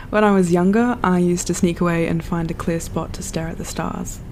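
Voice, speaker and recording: A woman's voice: on the low side, a little mellow, slight background noise. A woman playing a proud, dreamy perfectionist spaceship designer in a sci-fi audio drama, speaking in a lofty, poetic, self-assured way.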